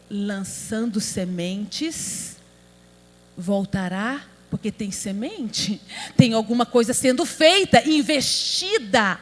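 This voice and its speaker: A high-pitched woman from Brazil preaches to a large audience, pressing them with rhetorical questions. Her voice rings with long convention-hall reverb, and a low mains hum sits under it. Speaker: pastor. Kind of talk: sermon.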